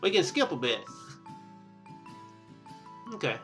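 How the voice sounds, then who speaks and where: A man's voice: a little high, sing-song, slow pace, over music. A man hosting a let's play with casual, rambling, joking commentary.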